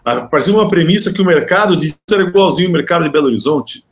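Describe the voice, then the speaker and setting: A man with a Brazilian Portuguese accent, a guest executive explaining a past business mistake in a halting way with many restarts. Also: on the high side, expressive. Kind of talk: conversational explanation.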